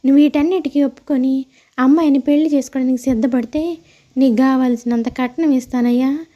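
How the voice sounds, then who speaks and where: A woman voicing a kindly, grateful elderly mother-in-law who speaks in an emotional, motherly way in an animated moral story. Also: high-pitched, a little fast, muffled recording, natural voice. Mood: earnest, pleading. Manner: emotional, motherly, addressing others fondly.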